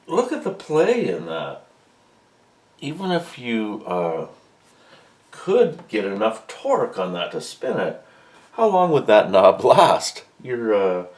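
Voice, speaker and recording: A man giving a casual, unscripted product review as a hobbyist, halting and mildly grumbling, pausing mid-sentence. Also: fairly low pitch. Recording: faint background room noise.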